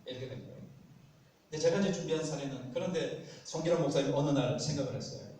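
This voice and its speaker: A man preaches in a relaxed, folksy way and acts out little scenes between husbands and wives. His voice sits a bit high and carries from a distance. The sound bounces around a large, reverberant church. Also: fast, a little hiss or hum. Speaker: pastor. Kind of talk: sermon. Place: church sanctuary. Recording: echoey church sanctuary, distant mic.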